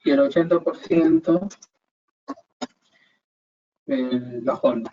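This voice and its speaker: A man with a mid-range, dark-toned voice teaches an online accounting class at a slow pace, walking through each step and posing rhetorical questions. The dull, distant mic carries a faint hiss.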